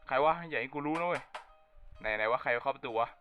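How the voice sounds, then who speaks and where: A young man giving casual, swear-filled let's-play commentary, excitable and jumpy. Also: mid-range voice, brisk, smooth, phone-quality sound, faint music behind. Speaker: gaming YouTuber.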